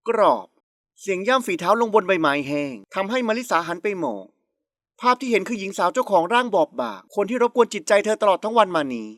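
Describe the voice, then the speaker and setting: A woman narrating a romance novel aloud in a calm, even storytelling manner. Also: medium pitch, dry recording, clean studio sound. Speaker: audiobook narrator.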